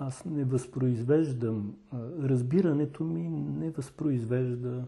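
This man has a dark, mellow tone. His voice is somewhat breathy. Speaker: professor of literature and cultural history. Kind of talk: interview. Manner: halting.

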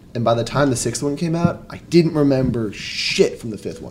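Against noticeable background noise, a man with an American accent talks at a fairly quick pace. His pitch is medium with ordinary variation. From US Northeast, tri-state area. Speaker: medical resident. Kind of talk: casual chat. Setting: studio.

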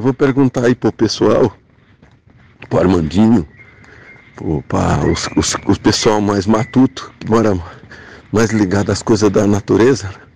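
A man's fairly low voice at a fairly slow pace, with long, frequent pauses, ordinary pitch variation, and a dry, close sound with no echo over noticeable background noise. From sertão of Pernambuco, Brazil. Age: 50s. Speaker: radio listener sending voice message. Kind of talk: casual voice message.

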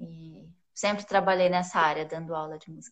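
A woman talks at a moderate pace. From Brazil, Mato Grosso do Sul and São Paulo state. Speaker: music teacher and missionary. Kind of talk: casual interview over video call.

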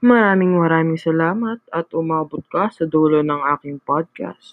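A woman with a very deep, low pitch and ordinary pitch variation. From Philippines. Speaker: podcast host. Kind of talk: casual solo podcast monologue. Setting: late at night. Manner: halting.

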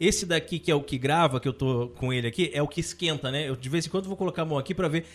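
A man's fairly high, somewhat breathy voice at a very fast pace with ordinary pitch variation. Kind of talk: religious talk show. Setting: studio.

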